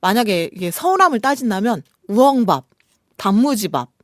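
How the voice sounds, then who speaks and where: A woman hosts a book and poetry program in a dry studio sound. Her mid-pitched voice moves in lively contours as she reads verse expressively and talks things over in a polite, reflective way. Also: moderate pace, no echo. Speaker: radio co-host. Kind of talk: scripted poem reading and relaxed book chat.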